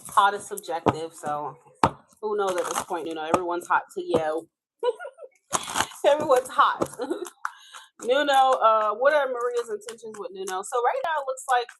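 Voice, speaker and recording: A woman's voice: fairly high pitch, a bit bright, slight background noise, rough recording. A woman from Haiti with a Haitian accent, reading tarot live in a casual, chatty way, swearing and laughing as she talks. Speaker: tarot reader.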